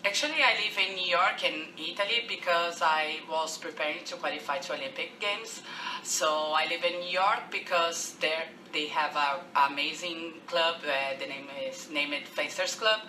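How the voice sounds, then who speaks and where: Brazilian lady on the radio, kinda low voice, hesitant english, bit of hiss behind. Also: sharp tone, reverberant, recorded from a distance, low-quality recording. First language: Portuguese. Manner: halting non-native English with many restarts. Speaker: guest, fencer. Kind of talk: radio interview.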